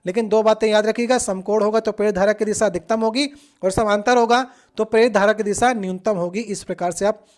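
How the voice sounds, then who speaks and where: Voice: medium pitch, fairly even intonation, quick pace, a little mellow. A teacher explaining past exam questions step by step, repeating key points and checking in often with the listener. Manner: patient, repetitive explaining with frequent check-ins. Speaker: exam coach. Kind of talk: exam-prep lesson walking through past questions.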